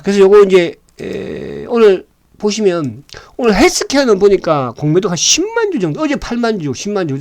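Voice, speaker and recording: A man with a fairly high voice gives casual stock commentary, his pitch leaping up and down as he talks. He keeps asking his viewers to agree and drops in blunt slang.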